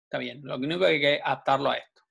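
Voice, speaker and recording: A man's voice: mid-range voice, racing, gravelly, fairly bright tone, husky. A man, teaching an online programming class patiently, checking in with students often. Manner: patient, explanatory, frequent check-ins with students.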